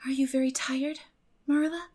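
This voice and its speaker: A woman's voice: high voice, steady tone, moderate pace, darkish tone, voice pushed up, close to an everyday voice. A woman voicing an earnest teenage girl in a storybook, emotional, pleading and emphatic, tender yet resolute. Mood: anxious concern. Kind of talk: dramatic audiobook reading.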